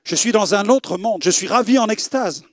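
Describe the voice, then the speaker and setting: A man's voice: high voice, lively intonation, normal speed, no room sound, clean studio sound. A middle-aged man preaching in a church, telling his testimony as a dramatic story and acting out the dialogue. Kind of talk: sermon testimony.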